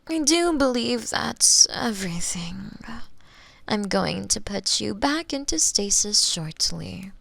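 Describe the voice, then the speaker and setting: A woman acts out a female mad scientist for an ASMR roleplay, recorded very close and dry. She takes her time, with big swoops in pitch and a creaky edge. She sounds doting yet clinical, relishing her work. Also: dry recording, exaggerated voice. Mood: clinical, reassuring. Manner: unhurried, musing, relishing, with soft breathy hums and sighs. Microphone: close binaural microphone, dry.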